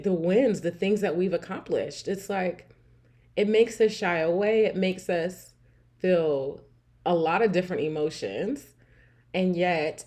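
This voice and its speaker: Chatty woman hosting a livestream. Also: fairly low pitch. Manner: warm, chatty, laughs often, repeats "I love it". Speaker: livestream host. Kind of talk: casual livestream chat reading viewer comments.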